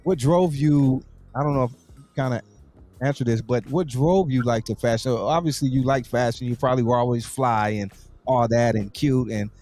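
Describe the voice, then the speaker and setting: Casual, slangy man hosting, medium pitch. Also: moderate pace, mellow, soft background music. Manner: informal slangy talk, repeats words while forming questions. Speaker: talk show host, interviewer. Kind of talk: casual interview chat.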